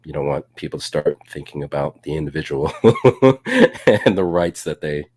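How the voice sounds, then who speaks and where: A man's voice: a bass voice, normal speed, slightly rough, no echo. A man co-hosting a live show, talking casually with lots of fillers and jokes. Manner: relaxed, many fillers, jokey. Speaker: co-host. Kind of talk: casual live-stream discussion.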